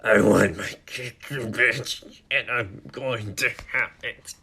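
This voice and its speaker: A man voicing a petulant old man in a wheelchair who slowly drawls and shouts his demands. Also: lowish voice, crowd noise. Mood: menacing. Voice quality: whiny, shouting. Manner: slow, drawn-out demands. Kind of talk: dramatic story reading.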